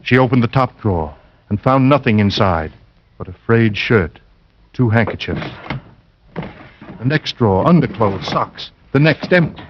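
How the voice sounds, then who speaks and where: A man narrating a 1940s radio suspense drama in a measured, suspenseful way. Dull vintage radio recording. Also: medium pitch, lively intonation, slight background noise.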